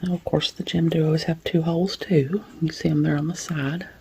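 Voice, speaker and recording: A woman, hoarse from a cold, showing and describing beads in a casual unboxing vlog. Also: low voice, steady tone, normal speed, slight background noise. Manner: soft-spoken, drops to whispers at times. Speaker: bead unboxing vlogger. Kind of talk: casual show-and-tell unboxing.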